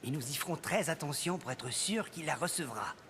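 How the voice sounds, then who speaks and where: A man's voice: fairly high pitch, lively intonation, a little fast, a bit bright, a little hiss or hum. A man playing a kindly postman who explains things in a friendly way in a children's cartoon. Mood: kindly, helpful. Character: kindly, helpful adult postman.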